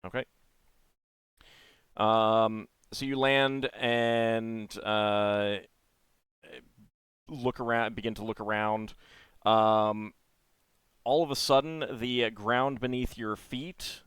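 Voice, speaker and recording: A man narrates a tabletop game as its game master, his voice low and smooth. He talks haltingly, full of pauses and restarts. The sound is dry and close. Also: steady tone, a bit bright, dry recording.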